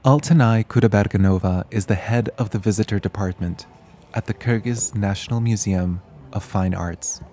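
A man narrating a radio documentary as a reporter, in a measured, explanatory way. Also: on the low side, dark tone.

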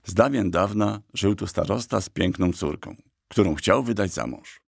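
A man lends his voice to a small black talking horse, boastful and mischievous, telling his tale with a sly, mocking edge. The voice sits low with a husky grain. It sounds close and dry, as in an audiobook. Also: normal speed, dry recording, heavily acted. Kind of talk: audiobook character voice.

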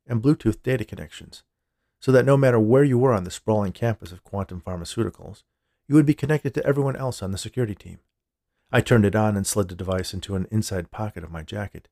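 A man narrates a short story in the first person. His voice sits on the low side, and the recording is close and dry, like a studio fiction podcast. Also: vocal fry, a little mellow, no echo. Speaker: writer, narrator and podcast host.

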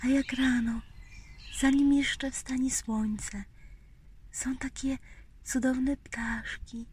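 A woman telling a bedtime story to small children in a whispery, breathy voice, gently repeating phrases and asking them questions. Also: high voice, steady tone, a little hiss or hum. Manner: slow, gentle, addressing little children with repetitions and questions.

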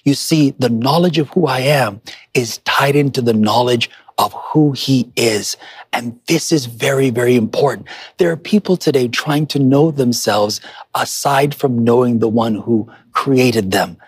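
With a breathy, mid-range voice and a measured pace, a man preaches as a pastor to his online congregation. The motivational sermon is emphatic and direct, with key phrases repeated for weight, and there's no echo.

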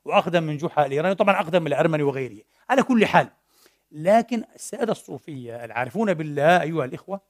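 A middle-aged man preaching a sermon in a mosque, telling a story animatedly and slipping between formal and colloquial speech. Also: a little high. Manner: animated storytelling, mixing classical and colloquial Arabic. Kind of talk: Friday sermon.

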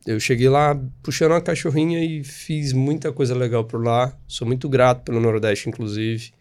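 A Brazilian man in his thirties tells his life story as a podcast guest. His talk is lively and chatty, full of tag questions, and his voice sits at an ordinary male pitch. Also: moderate pace, smooth. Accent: Brazilian Portuguese. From Espírito Santo, Brazil. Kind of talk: casual storytelling interview.

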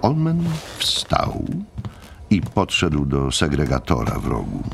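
Male narrator for dramatized novel: extremely low, expressive delivery, faint ambience behind. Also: takes it slowly, gravelly, a little hiss or hum. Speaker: audiobook narrator.

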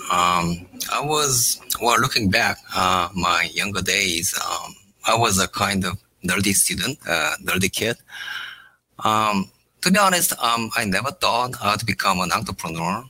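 Halting bright-voiced middle-aged man from South Korea. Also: fairly low pitch, expressive, rough recording. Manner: halting, many "uh" fillers between short phrases. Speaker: startup founder, guest. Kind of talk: interview answers.

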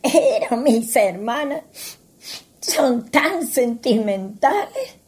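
A woman playing a coaxing, polite countrywoman in a radio drama, with a very breathy, husky voice. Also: a little high, animated, extremely slow, darkish tone. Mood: apologetic. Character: coaxing, polite countrywoman, one of several sisters.

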